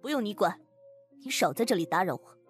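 An actress playing a hostile, suspicious, sharp-tongued woman, curt and scolding, in a dramatized audiobook. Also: mid-range voice, animated, a little fast, faint music behind, close to an everyday voice. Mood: cold, curt.

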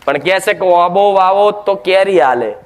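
High-voiced man preaching a scolding sermon. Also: normal speed, a faint crowd. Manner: scolding, preachy, rhetorical questions. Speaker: preacher at a goddess shrine. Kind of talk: devotional sermon.

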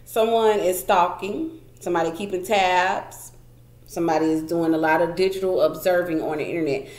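A woman's voice: on the low side, normal speed, darkish tone. Chatty woman reading tarot cards. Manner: chatty, emphatic, repeats phrases, laughs often. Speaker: tarot reader. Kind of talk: casual tarot card reading. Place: indoor room at a wooden table. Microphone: camera pointed down at the table, speaker off frame. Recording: echoey room, faint noise.

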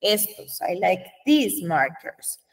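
Slow-speaking woman teaching English. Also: mid-range voice, sing-song, distant mic, low-quality recording. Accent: Colombian Spanish. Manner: slow, drawn-out model sentences, frequent "¿Listo?" checks. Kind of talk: classroom lesson explaining grammar.

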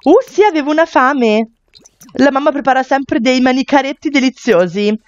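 A woman's voice: sits high, lively intonation, moderate pace, no room sound, lo-fi sound, pitched above the performer's own voice. Woman voicing bubbly eccentric young mom-to-be. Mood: breezy. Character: cheerful eccentric young woman, expecting a baby.

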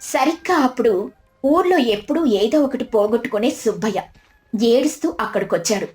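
A woman's voice: fairly high pitch, expressive, moderate pace, a little mellow. A woman narrating a scripted village moral tale in storybook style. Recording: music behind the voice.

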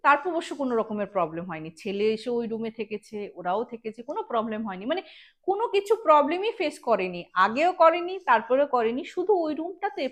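Chatty lady hosting ghost stories, kinda high voice, talks really fast, drops in english words, talks right to the listener. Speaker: host and storyteller of a ghost story show. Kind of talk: informal spoken ghost storytelling.

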